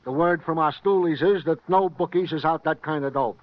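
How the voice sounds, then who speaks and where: An actor playing an easygoing, plain-spoken police sergeant in a 1950s radio drama. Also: male voice, a little high, fairly quick, natural voice. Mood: chummy. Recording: muffled old radio broadcast.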